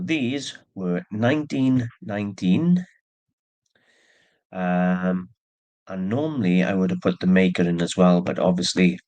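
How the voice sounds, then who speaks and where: A man with a low, deep voice talks casually through a jewelry haul. He is stuffy with allergies and keeps a chatty, plain manner with small asides. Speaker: antique jewelry seller. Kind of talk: casual show-and-tell narration.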